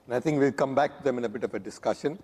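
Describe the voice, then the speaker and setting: Hoarse man moderating. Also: medium pitch, rapid-fire, a little mellow. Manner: courteous, introducing speakers. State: hoarse, losing his voice. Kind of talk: panel discussion. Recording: long hall reverb.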